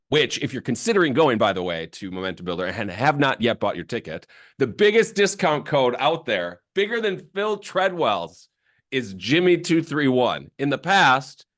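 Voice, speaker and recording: A man's voice: fairly low pitch, fairly bright tone. A man hosting a podcast interview, talking loosely and chattily. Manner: loose and chatty, says "dude". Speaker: podcast host. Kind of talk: casual interview chat.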